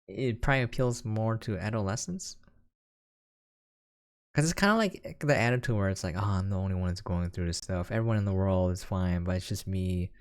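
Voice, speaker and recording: A man's voice: lowish voice, clean tone. A man giving casual, musing gameplay commentary and reading visual novel text aloud. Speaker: game preview commentator.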